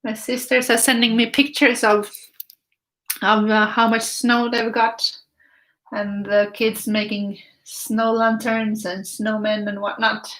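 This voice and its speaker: Slow, higher-voiced woman. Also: flat delivery, a bit bright, rough recording. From Finland. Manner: unhurried, thinking aloud in short phrases while painting. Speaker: art teacher. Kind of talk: casual live painting tutorial with viewer chat.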